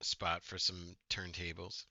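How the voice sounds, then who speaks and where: A laid-back man chats on a podcast with a very bright, forceful tone. His mic sounds dull and lo-fi, with a dry sound and no room around it. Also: low voice, completely flat delivery, slow, gravelly, no room sound. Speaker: podcast co-host. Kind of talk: casual chat.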